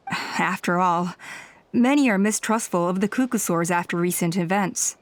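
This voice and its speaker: A woman playing a calm, authoritative tribal elder in an anime game, measured and diplomatic. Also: on the low side, natural voice. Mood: cautioning. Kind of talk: anime game dub acting. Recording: music under the voice.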